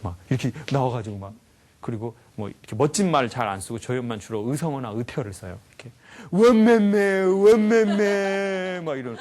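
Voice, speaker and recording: A man giving a lively lecture to a live audience, asking them questions and acting out sounds and quotes. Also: mid-range voice, fast talker.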